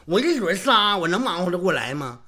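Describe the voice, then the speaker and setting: A man's voice: sits high, big pitch swings, fairly quick, heavily acted. A man doing a cheeky crude old swordsman. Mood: protesting. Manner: teasing, bantering, loud retorts. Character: cheeky crude older male swordsman, mocking. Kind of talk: traditional storytelling performance.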